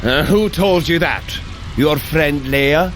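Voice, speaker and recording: A man's voice: a little high, slow, fairly bright tone, faint music behind. A man voicing a Norse god in an audio drama, an earnest, squeamish big brother with a theatrical, indignant, grumbling delivery. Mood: wry grumbling.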